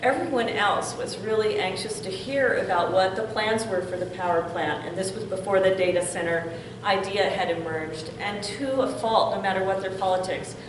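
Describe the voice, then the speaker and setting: A woman's voice: medium pitch, moderate pace. An older woman, a grandmother, welcoming people to a community meeting in an outgoing, chatty way, laughing now and then. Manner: warm-voiced, outgoing, laughs often. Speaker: community organizer giving welcome. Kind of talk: public meeting remarks. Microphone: room mic at a distance. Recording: echoey room from far off, noisy.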